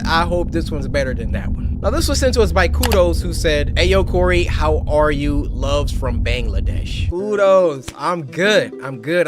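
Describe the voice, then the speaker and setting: A man with a fairly high voice hosts casual, slangy reaction commentary. His pitch swings freely as he jokes and addresses viewers directly, with faint music behind him. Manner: animated, joking, exclaims and talks to viewers. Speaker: host reacting to horror story videos.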